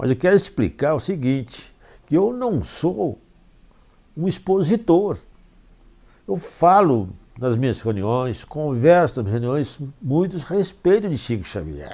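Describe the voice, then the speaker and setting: Pausing long and often, a man with a fairly high pitch and a dark, mellow tone speaks at a fairly slow pace with very wide pitch swings. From Brazil, interior of Minas Gerais (southwest). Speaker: spiritist lay speaker recalling memories. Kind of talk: testimony.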